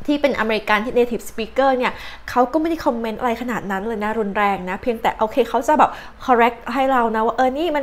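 Casting: young Thai woman, chatty advice vlogger, slightly high voice. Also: fairly bright tone. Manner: chatty, uses many fillers and polite particles. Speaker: channel host, astrology and advice vlogger. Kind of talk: casual chatty explainer, translating tips.

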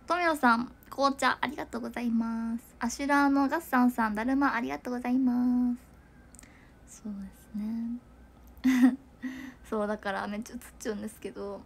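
A woman's voice: a little high, fairly even intonation, brisk, vocal fry. A young woman chatting casually to viewers on a livestream, giggling and rambling with lots of fillers. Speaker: idol livestreamer.

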